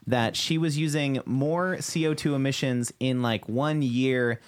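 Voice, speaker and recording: A man's voice: mid-range voice, unhurried. A man co-hosting a podcast, chatting casually in a jokey, teasing way. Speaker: podcast co-host. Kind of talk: casual chat.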